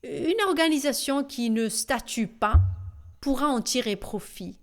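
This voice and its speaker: A woman reads a discussion as voice-over, slow and measured, with small hesitations. Her voice sits fairly high. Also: expressive. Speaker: voice-over translator.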